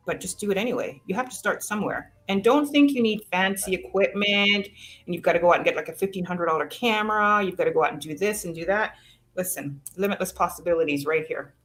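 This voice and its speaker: Content creator guest, somewhat low-voiced woman, frank and sassy, soft music under her. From Jamaica, raised in Canada. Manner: sassy and encouraging, says "honey". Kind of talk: casual interview talk.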